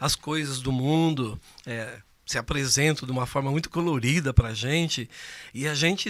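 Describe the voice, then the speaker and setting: A man with a fairly high pitch speaks at a moderate pace with ordinary pitch variation. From Brazil, interior of São Paulo state. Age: 60s. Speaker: permanent deacon. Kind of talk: podcast interview, personal testimony. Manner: hesitant, many filler 'é'.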